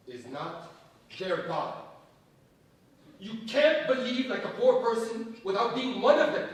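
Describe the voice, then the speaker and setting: A man in a staged reading playing a domineering, menacing secularist strongman, emphatic and theatrical, with deliberate pauses. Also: high voice, recorded from a distance. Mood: forceful, scornful. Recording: echoey stage from afar, faint noise.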